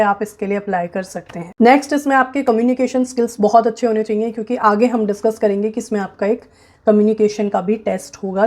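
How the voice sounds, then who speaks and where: A woman with an Indian accent presents an informal guide in a somewhat high-pitched voice. She explains point by point in a frank, emphatic way, mixing in English phrases as she addresses her viewers. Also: mellow. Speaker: presenter of a job recruitment guide.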